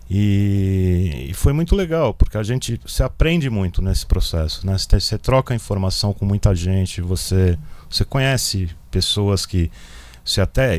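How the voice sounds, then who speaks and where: A man, a club director, answering a podcast interview in a measured, thoughtful way with some restarts. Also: deep voice, a little mellow.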